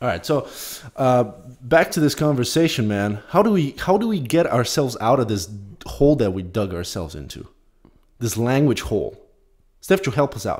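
Against a quiet background, a man with a Bulgarian accent speaks in an animated tone with very wide pitch swings and long, frequent pauses. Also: fairly quick pace. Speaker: podcast host. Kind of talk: casual chat. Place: home room. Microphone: studio mic.

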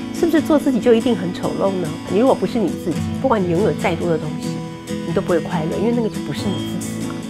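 A woman speaks at a very fast pace. Clear music plays in the background. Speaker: writer and teacher. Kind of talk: interview answer. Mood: calm, reflective. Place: shop. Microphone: lapel.

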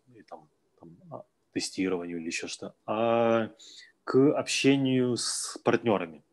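A man with a mid-range pitch talks extremely slowly. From Ukraine. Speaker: company co-founder. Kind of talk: online group discussion. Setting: video call.

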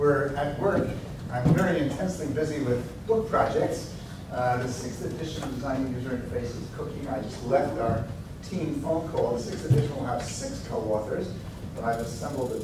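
Amid loud background noise and audible room echo, a man talks at a fairly quick pace with ordinary pitch variation. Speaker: university professor giving a seminar. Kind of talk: lecture. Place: hall.

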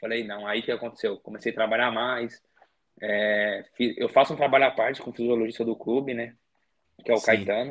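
A man speaks fairly quickly in a monotone, flat intonation against a quiet background. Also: medium pitch for a man. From Brazil, São Paulo state (Francisco Morato). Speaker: futsal goalkeeper. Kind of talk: casual chat. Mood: relaxed, smiling storytelling. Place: home room. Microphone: video call.

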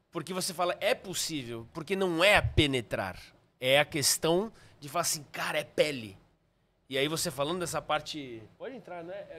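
With a bright, sharp tone, a man speaks in a fairly high pitch at a moderate pace, his loudness swinging widely. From Brazil. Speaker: podcast interviewer. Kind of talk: interview conversation. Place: studio. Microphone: studio mic.

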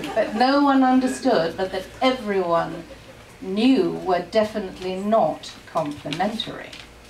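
A woman talks at a fairly slow pace with ordinary pitch variation, with audible room echo and light background noise. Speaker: actress. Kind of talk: book excerpt reading. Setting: live bookstore event. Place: shop. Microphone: camera far.

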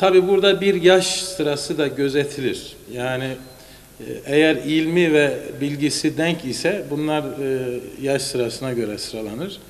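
At a fairly slow pace, a man with an unremarkable speaking voice and fairly high pitch talks with ordinary pitch variation. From Turkey, Elazığ; Turkey. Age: 30s. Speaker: anthropologist and lecturer; lecturer. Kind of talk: television interview. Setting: TV studio. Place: home room.

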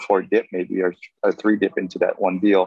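The background is quiet, and the sound is dry with no echo. A man with a Hawaiian accent speaks at a moderate pace. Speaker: real estate investor. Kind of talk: networking talk presentation. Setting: video call. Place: home room. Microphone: phone near.

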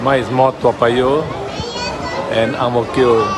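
A man talks at a very slow pace. Behind him, music is playing. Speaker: amateur travel vlogger. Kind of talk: casual vlog narration. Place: market. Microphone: phone near.

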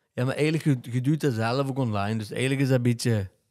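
A man with an ordinary speaking voice talks at a medium pitch and with fairly even intonation. The background is quiet. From Belgian Limburg, Genk; Belgium. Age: 30s. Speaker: comedian; podcast guest, comedian. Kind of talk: casual chat; interview answer. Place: studio. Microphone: studio mic.

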